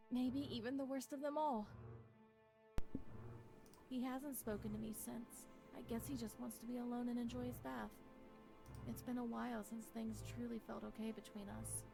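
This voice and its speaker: Woman acting a wistful, creaky-voiced weary wife. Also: fairly high pitch. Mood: distressed, then sad, hopeful. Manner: wistful, melancholy. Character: weary, anxious wife clinging to a broken relationship. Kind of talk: visual novel voice acting, introspective monologue. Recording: music behind the voice. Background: music.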